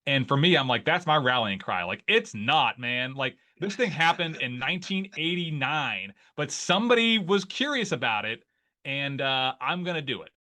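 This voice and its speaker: Ohio guy in his 40s, bright voice, rambles along with lots of likes and restarts. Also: mid-range voice, animated, moderate pace. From Northeast Ohio. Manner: rambling, many fillers and restarts. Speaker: guest, newsletter writer. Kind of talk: casual interview conversation.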